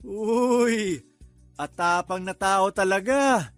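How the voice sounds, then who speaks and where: Radio drama role: smug, sleazy young guy, high voice, slow goading drawl, faint music behind. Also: no room sound, full character voice. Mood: sneering disbelief. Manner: mocking, goading, chuckling, drawn-out teasing. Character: sleazy, taunting young man, a KTV bar customer. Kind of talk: Tagalog radio drama acting.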